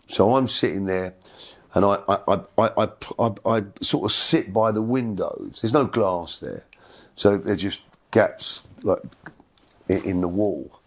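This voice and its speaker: A middle-aged man, his voice sitting a little low. He tells his story in a loose, rambling way, often stumbling over and repeating words. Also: measured pace. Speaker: guest. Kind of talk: casual storytelling.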